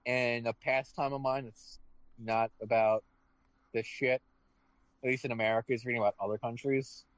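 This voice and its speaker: A man's voice: mid-range voice, steady tone, moderate pace, no echo, rough recording. A man co-hosting a casual chat show, rambling and swearing, often restarting his sentences. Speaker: podcast co-host.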